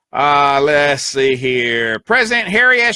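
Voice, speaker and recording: A man's bright, sharp tone at a fairly high pitch with very wide pitch swings, dry and close with no echo, on a very clean recording with a silent background. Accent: American. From US South (South Carolina). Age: old. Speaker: talk radio host. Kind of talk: talk radio monologue. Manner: casual, folksy.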